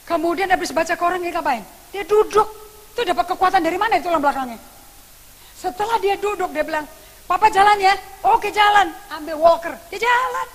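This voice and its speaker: A woman pastor, preaching a sermon and telling a story in an animated way, acting out what people said. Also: very high-pitched, fast. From Indonesia. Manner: animated storytelling with acted quotes. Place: church. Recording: long reverb church hall with faint hiss.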